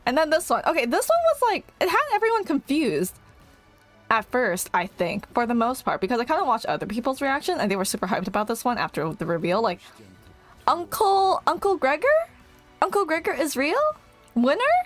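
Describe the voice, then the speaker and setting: A woman streamer chatting casually and excitedly as she reacts, rambling with plenty of fillers and giggles. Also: fairly high pitch, quick pace, faint music behind.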